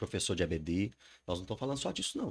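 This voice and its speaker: A man talks at a very fast pace. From Brazil. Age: 30s. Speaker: pastor. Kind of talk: casual interview. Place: studio. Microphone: studio mic.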